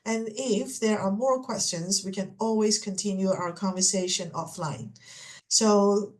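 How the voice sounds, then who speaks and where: A woman's voice: mid-range voice, fairly even intonation, measured pace, darkish tone. A middle-aged woman from Hong Kong hosting an online webinar, presenting informally with chatty asides to attendees. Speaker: webinar host and MBA admissions manager. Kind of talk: presenting a webinar, semi-scripted.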